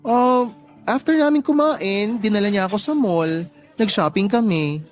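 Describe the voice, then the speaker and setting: An actor playing a sassy, lovestruck young gay person in a Tagalog radio drama, with campy, expressive delivery. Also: male voice, high voice, moderate pace, natural voice. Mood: smitten, proud. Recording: music bed behind the voice.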